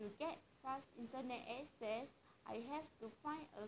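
A very slow pace with ordinary pitch variation. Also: woman. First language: not English. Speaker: university student. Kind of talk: prepared monologue for class assignment. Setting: recording at home. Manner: halting, with repeated words.

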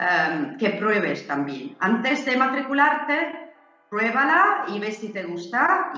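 A woman with an Italian accent speaks very slowly in a raised, projected voice, her high pitch making very wide swings. Noticeable background noise runs under her. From Italy. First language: Italian (speaking Spanish). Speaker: language school franchise owner. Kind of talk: interview. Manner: halting.

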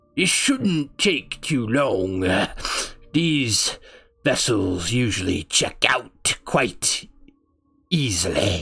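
A man's gruff, put-on character voice at a medium pitch, very slow, with long, frequent pauses

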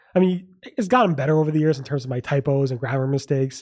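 A man's dark, mellow, fairly high voice, mumbling at a very fast pace with ordinary pitch variation. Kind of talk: casual interview. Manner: fast talker, mumbles.

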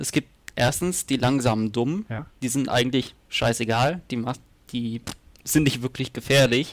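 A man speaks at a moderate pace with a medium-pitched voice. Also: ordinary pitch variation. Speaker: podcast co-host. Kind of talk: casual chat.

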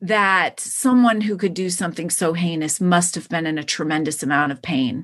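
A woman speaks in an American accent at a fairly low pitch. The background is quiet. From Chicago, then Connecticut. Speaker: bereaved mother and nonprofit founder. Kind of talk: interview conversation. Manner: hesitant with many fillers.

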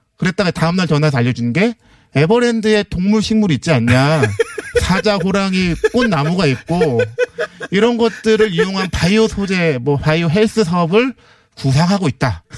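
Music sits in the background as a man with a high voice talks at a moderate pace, his intonation lively and his loudness very even. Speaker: accountant. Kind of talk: radio interview. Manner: animated.

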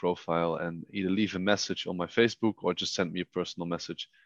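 A man talks with a Dutch accent and ordinary pitch variation. The background is quiet. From Netherlands. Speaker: sales closer. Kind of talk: interview. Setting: video call. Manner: measured persuasive cadence.

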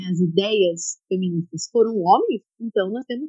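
The speech comes at a fairly slow pace and sounds somewhat breathy. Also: woman. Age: 30s. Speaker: writer and researcher on feminism and Christianity. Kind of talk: interview.

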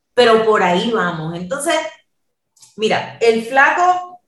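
In a room with audible echo, a woman speaks at a fairly slow pace with a high pitch. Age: 40s. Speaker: researcher on weight stigma. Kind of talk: casual interview. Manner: animated.

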